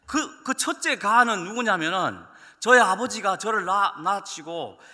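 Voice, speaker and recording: A man preaching a Sunday sermon as pastor, telling stories with lively acted-out voices. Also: high-pitched, slow. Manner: animated storytelling, acting out voices. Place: church sanctuary. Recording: long church hall reverb.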